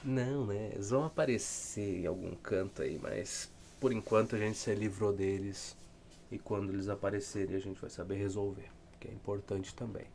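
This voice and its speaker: A man's voice: fairly low pitch, fairly even intonation, moderate pace, creaky, a little mellow, a little hiss or hum. A man with a southern Brazilian accent giving an informal, rambling math lesson, thinking aloud with dry, self-deprecating humour. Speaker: math tutor. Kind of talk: casual lesson, solving textbook problems aloud.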